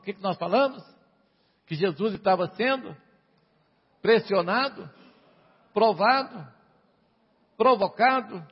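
A man's voice: a little high, gravelly, husky. Emphatic preacher man in a reverberant hall. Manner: emphatic, rises and falls sharply, asks the congregation for amens. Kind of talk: sermon, reading and explaining scripture. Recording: dull lo-fi sound with long hall reverb.

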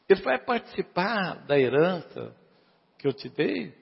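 Gravelly-voiced preacher in a reverberant hall. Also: male voice, high-pitched, a little slow, lo-fi sound. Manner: animated, asks the congregation questions, urges them to answer louder. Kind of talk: sermon retelling a parable.

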